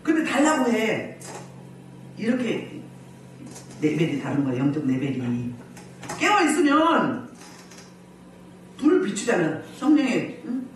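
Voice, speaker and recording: A woman pastor preaching a healing service sermon, animated, often putting questions to the congregation and laughing as she goes. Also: mid-range voice, measured pace, long pauses, a little hiss or hum. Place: church hall. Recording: very echoey hall, mic at a distance.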